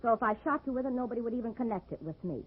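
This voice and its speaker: Coy, high-voiced lady jewel thief. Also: animated, racing, breathy edge. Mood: cool, menacing. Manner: coy, mock-innocent, pouty. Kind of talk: old-time radio comedy-mystery acting. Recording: muffled old-time radio recording.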